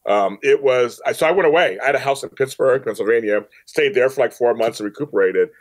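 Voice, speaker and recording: Man, mid-pitched voice, podcast guest, casual storytelling, emphatic, repeats phrases. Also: quick pace. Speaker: podcast guest, audio drama producer. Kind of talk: personal storytelling in a casual interview.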